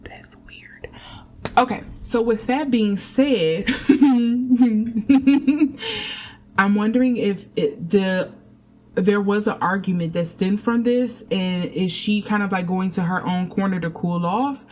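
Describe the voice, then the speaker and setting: A woman talks her way through a tarot reading in a loose, chatty way, circling back on herself with ums and restarts. Her voice sits at an ordinary middle pitch. A faint hiss of noise runs under the recording. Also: unhurried. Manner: chatty and meandering, full of fillers and restarts. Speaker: tarot reader. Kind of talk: casual tarot reading to camera.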